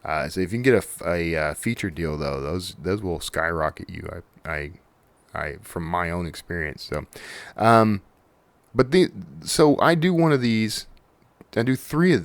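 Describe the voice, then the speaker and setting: A man's voice: low voice, very animated, a little slow, no echo. A man hosting a podcast, chatting casually and conversationally to his listeners with jokey asides. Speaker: podcast host.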